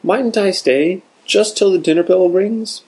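A man's voice: high voice, measured pace, darkish tone, husky, pitched above the performer's own voice, heavily acted, rough recording. A man voicing an eager young girl who earnestly pleads with her father in a storybook reading. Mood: pleading.

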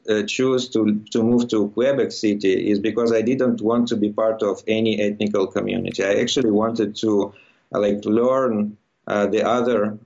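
A middle-aged man from Russia, a native Russian speaker with a Russian accent, giving a halting, conversational account as an interview guest and often searching for words. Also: lowish voice, darkish tone, highs cut off. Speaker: interview guest, immigrant to Quebec.

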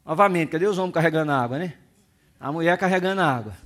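A man with a Brazilian Portuguese accent, a pastor preaching a sermon with emphatic build-ups to shouts and asides to his congregation. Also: a little high, fast talker.

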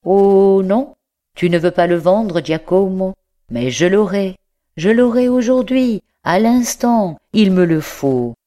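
An obsessive young gentleman scholar, voiced by an audiobook reader, courtly yet insistent, his voice lifting higher as he presses his demands. He speaks slowly and deliberately, as in a storybook reading. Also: lively intonation, close to an everyday voice. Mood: fervent. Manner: courtly, insistent, rising to fervor. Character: young nobleman student, affable and obsessive.

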